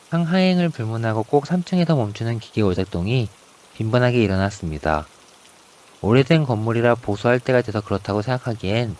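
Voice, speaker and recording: A man narrating a scripted ghost story in a hushed, suspenseful way, with rain behind his voice. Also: lowish voice. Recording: rain ambience noise behind voice.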